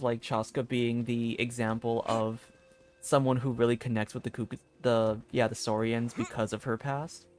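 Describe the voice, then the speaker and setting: A man giving casual gameplay commentary as a streamer, rambling and thinking aloud in a halting way. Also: mid-range voice. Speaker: video game streamer.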